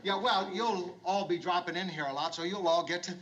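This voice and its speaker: An actor playing a gruff middle-aged bar owner who forces himself into hearty, pushy cheer and repeats his greetings, in 1970s sitcom style. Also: high voice, brisk, a bit bright. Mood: forced cheer. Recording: noisy old TV soundtrack.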